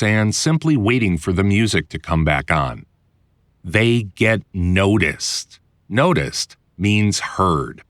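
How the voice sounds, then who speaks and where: A man reading his own instructional audiobook in a conversational, clearly enunciated way, like a voiceover producer explaining the trade. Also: lowish voice, fairly bright tone, no echo, clean studio sound. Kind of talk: scripted instructional narration.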